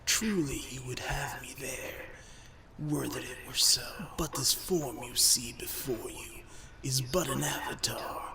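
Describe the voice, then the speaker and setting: A man voicing an evil talking skull in a video game, a pompous, gloating villain with a breathy, whispery, theatrical and sneering delivery. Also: mid-range voice, measured pace. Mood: smug sarcasm. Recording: echoey, distant, crowd-like noise behind.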